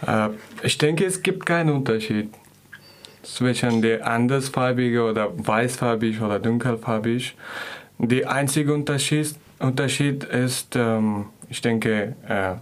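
A man talks as an interview guest at a middle pitch. He speaks hesitantly, pausing with little fillers as he builds his sentences in a language he learned later. The tone is a plain, personal account. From Afghanistan.

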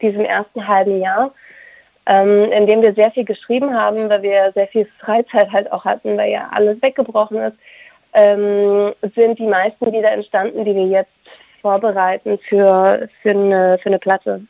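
Gravelly young woman on a tinny line. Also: medium pitch, flat delivery, normal speed, dry recording. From Germany. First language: Ukrainian. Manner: thoughtful, searching for words. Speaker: singer and violinist guest. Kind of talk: reflective interview answers. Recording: dry, tinny phone-like line.

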